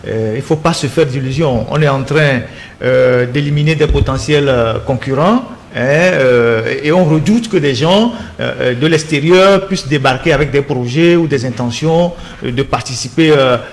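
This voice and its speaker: A man's voice: medium pitch, normal speed. A man speaking as a political commentator in a heated panel debate, indignant and insistent, repeating words as he builds each point. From Togo.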